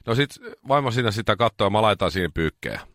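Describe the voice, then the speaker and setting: A male radio host with a low voice that swoops up and down as he tells his stories. He chats casually and animatedly in a dry, close studio sound. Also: no echo. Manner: animated storytelling, jumps into high voices when quoting.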